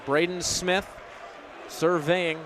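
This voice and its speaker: A man's voice: high voice, fairly even intonation, drawn-out words. A man in his twenties calling live basketball play-by-play. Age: 20s. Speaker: play-by-play announcer. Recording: faint crowd and gym noise behind. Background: basketball game crowd.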